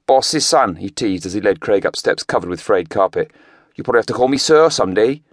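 A man's voice: fairly low pitch, lively intonation, fairly quick, no echo, studio quality. A man voicing a skinny, tetchy Welsh teenage boy with a cheeky, teasing manner.

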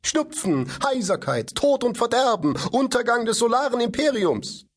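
Audiobook role: a man voicing a defiant young boy, high and crowing, lively and bratty. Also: normal speed, heavily acted. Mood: mocking. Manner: crowing, high-pitched mimicry.

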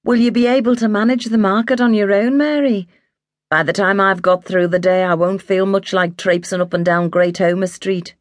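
A woman's voice: mid-range voice, steady tone, moderate pace, no echo, voice pushed up, lightly acted. A cranky, stubborn older woman who refuses to give in to feeling ill, as a woman reading a story puts her on. She speaks with a short, grumbling edge. The sound is close and dry. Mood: cross, weary. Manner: cross, stubborn.

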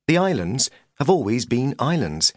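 A man's voice: medium pitch, big pitch swings, moderate pace, dry recording. A man reading a humorous memoir as an audiobook narrator, with a dry, wry delivery.

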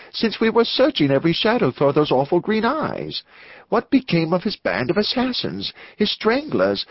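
Excitable, truculent clergyman for audiobook, played by a man: high, husky, nervously emphatic. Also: no echo, muffled recording, full character voice. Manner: hesitant, emphatic, agitated. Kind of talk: audiobook character acting.

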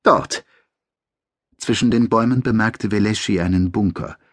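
A man reading a science-fiction audiobook in a measured, dramatic narrating voice. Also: lowish voice, no room sound, studio quality. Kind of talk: scripted narration.

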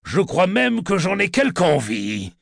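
A male narrator voicing a menacing, rough escaped convict who speaks slowly and threateningly. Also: huge pitch swings, dry recording, clean studio sound, heavily acted. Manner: slow, threatening, low delivery.

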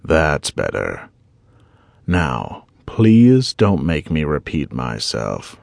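A cold, controlled intruder, as a male narrator puts him on, speaking slowly and quietly with open menace. The voice sits very low and heavy, recorded close and dry with no room around it. It belongs in a dark audiobook thriller. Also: wildly swooping pitch, gravelly, no room sound, full character voice. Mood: menacing. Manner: slow, quiet and threatening.

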